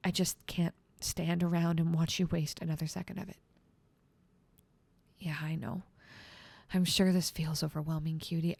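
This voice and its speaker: A woman playing a gentle, motherly guardian angel in a soothing, patient ASMR roleplay, speaking softly and coaxingly. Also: medium pitch, gravelly, no echo. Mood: sympathetic, reassuring. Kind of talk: soft-spoken ASMR roleplay.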